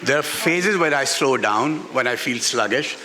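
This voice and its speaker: Amid crowd noise in a rough recording from a live literary festival session in a garden venue, a middle-aged Pakistani-accented author on a panel gives candid answers. His mid-range voice has lively intonation and normal speed, and he stresses points emphatically by repeating phrases.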